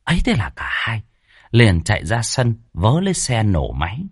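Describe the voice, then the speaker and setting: A man narrating a ghost story in a lively, dramatic, colloquial way, with a husky voice. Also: on the low side, normal speed, no room sound, studio quality.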